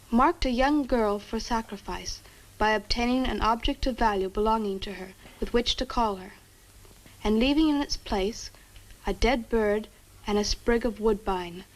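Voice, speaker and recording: A woman's voice: fairly high pitch, normal speed, lightly acted, rough recording. An actress playing an earnest, curious young woman student in a horror film, polite and articulate. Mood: absorbed, reading aloud. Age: young adult. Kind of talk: 1960 horror film acting. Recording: old film soundtrack with music.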